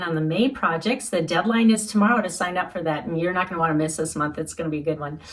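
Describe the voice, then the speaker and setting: A woman with a slight Minnesota accent, medium pitch, ordinary pitch variation and a very fast pace, over noticeable background noise. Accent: slight northern US (Minnesota). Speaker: papercraft demonstrator. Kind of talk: craft tutorial. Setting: home craft room. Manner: chatty, friendly.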